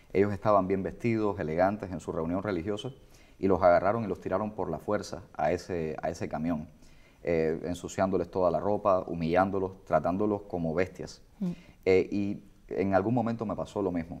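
A man speaks at a moderate pace with a very deep, low pitch. His intonation is fairly even. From Cuba, Holguín (eastern Cuba). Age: 30s. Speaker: playwright and actor; actor. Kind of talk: interview testimony. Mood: serious, recounting harassment. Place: studio.

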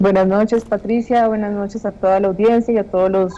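A woman speaks at a fairly quick pace. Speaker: guest. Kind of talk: casual talk. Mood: firm, indignant political opinion. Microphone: video call.

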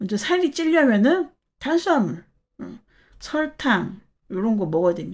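Her tone animated, a woman speaks with very wide pitch swings. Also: quiet background. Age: 40s. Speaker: YouTuber. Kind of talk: live stream chat. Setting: live stream from home. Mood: joking, animated. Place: home room. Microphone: lapel.

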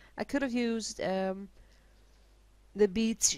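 A woman with a Dutch accent. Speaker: crafting video maker. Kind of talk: tutorial. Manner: halting, many fillers.

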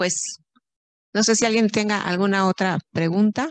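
A woman talks at a fairly slow pace. The sound is dry with no echo, over a quiet background. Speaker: event moderator. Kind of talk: Q&A moderation. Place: home room. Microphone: video call.

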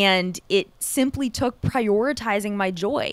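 A woman's warm, upbeat tone with lively intonation, dry with no echo. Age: 20s. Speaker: podcast host, yoga teacher. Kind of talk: casual interview chat. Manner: warm, upbeat, enthusiastic. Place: home room. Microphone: handheld.

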